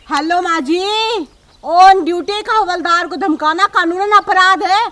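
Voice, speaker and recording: Woman as a high, bright, commanding policewoman daughter-in-law, comedy film. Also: slow, full character voice. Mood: stern. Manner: commanding, sharp-tongued. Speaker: police officer in a comedy telefilm.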